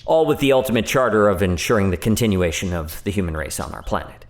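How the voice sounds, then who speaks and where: An actor playing an earnest, wary scientist from a secretive agency in an audio drama, formal and explanatory. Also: male voice, fairly low pitch, expressive, fast talker. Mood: matter-of-fact.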